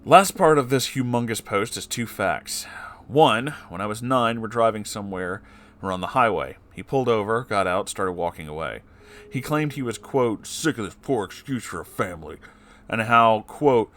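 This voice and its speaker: A man with a fairly low voice reads a long personal story aloud to his channel. Between passages he breaks off into blunt, swearing asides and sighs before picking the reading back up. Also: lively intonation, normal speed, fairly bright tone.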